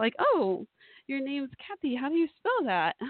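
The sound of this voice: A woman speaks at a moderate pace, recorded with a dry, close sound and no echo.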